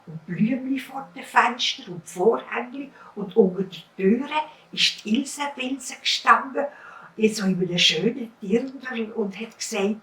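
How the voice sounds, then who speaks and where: A woman with a Swiss German accent who tells a folk tale aloud in a lively, vivid way. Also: fairly high pitch, a little slow. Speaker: storyteller. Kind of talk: oral folk-tale telling. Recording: roomy, heard from a distance.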